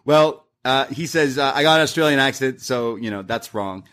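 A young man casually recapping a wrestling show, retelling lines in a lively, animated way. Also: mid-range voice, normal speed, clear, resonant tone. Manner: lively recap with acted-out quotes.

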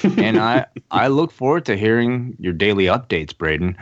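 Man with low voice, dry sound. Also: big pitch swings, normal speed, no echo, highs cut off. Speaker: podcast co-host. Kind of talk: casual show announcement.

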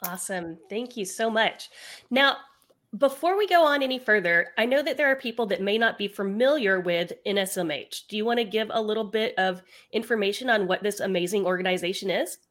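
A woman hosts a casual podcast interview. She sounds upbeat and enthusiastic, keeping the conversation moving with friendly questions. Her voice sits at a middling pitch. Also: expressive, brisk, a bit bright. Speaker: podcast host.

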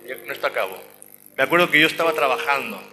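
A man's voice: mid-range voice, lively intonation, fast talker, long reverb tail, over music. A man from preaching a fervent sermon and closing prayer, repeating phrases and saying "amén" often. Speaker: lay preacher and cell group leader.

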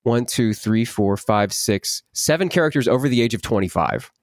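A man in his twenties, a voice actor, chatting in an interview, animated and repeating words as he acts out quotes. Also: medium pitch, normal speed, no echo, clean studio sound. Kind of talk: casual interview chat.

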